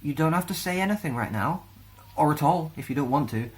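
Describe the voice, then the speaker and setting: A man reading the part of a kind young girl in a children's storybook, gentle and encouraging. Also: on the high side, lively intonation, brisk, voice pushed up, natural voice. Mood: gentle, supportive. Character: Kit, kind reassuring young girl friend. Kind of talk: children's storybook read aloud.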